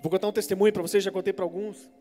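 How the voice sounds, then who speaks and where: A young man preaches to a congregation in a high, lively voice. He tells his stories animatedly, acting out voices and jumping from loud urging to quiet asides. The sound carries a long hall reverb with faint music underneath. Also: racing. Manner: animated storytelling, acts out voices, swings from shouting to hushed. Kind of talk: sermon to a youth congregation. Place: church hall.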